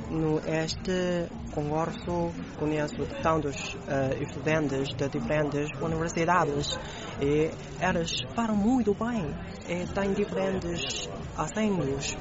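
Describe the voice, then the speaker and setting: A young man, a native Chinese speaker and university student, speaking hesitantly with many fillers. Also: fairly high pitch. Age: young adult. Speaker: university student, band member. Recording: dull muffled audio with crowd noise.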